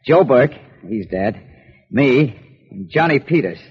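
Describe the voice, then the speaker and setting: A nervous battered card sharp. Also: male voice, medium pitch, lively intonation, takes it slowly, breathy edge, in a large hall, full character voice. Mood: wary. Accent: American. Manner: nervous, stammering. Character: beaten-up shifty male card sharp. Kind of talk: 1940s radio acting. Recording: dull old radio recording.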